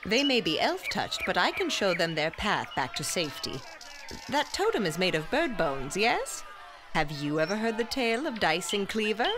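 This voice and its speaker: A woman playing a sharp-tongued, defiant old wandering scholar in an audio drama, with a wry, declamatory manner. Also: medium pitch, big pitch swings, normal speed, over music, lightly acted. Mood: defiant, scornful.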